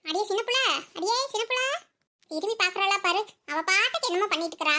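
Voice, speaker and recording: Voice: very high-pitched, expressive, fast, sharp tone, heavily acted. Nila, a performer voicing a nosy village gossip. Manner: prying, lecturing. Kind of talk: cartoon voice acting.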